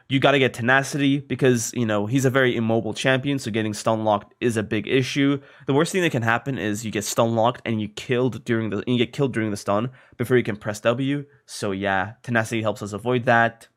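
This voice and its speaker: A young man, a little sick, casually explaining a video game strategy in a guide, tossing in lots of fillers and "right?". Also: medium pitch. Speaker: gaming content creator.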